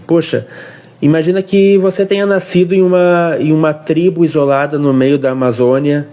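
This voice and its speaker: A man from Brazil, explaining a faith question on a casual family devotional livestream, with pauses and restarts. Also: on the high side, steady tone, mellow. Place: home livestream.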